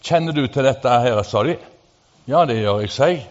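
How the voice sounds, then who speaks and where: A man preaching, telling a personal testimony in a halting, then fervent and animated way. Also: mid-range voice. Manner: animated, rising to fervent emphasis; halting with fillers and restarts. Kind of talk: sermon testimony storytelling. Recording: dull sound with long hall reverb.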